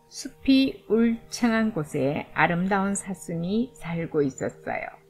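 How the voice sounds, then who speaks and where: Over background music, a woman speaks very slowly in a gentle, soothing tone at a medium pitch. Her pitch swings very widely. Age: old. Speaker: storyteller. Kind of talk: bedtime story reading.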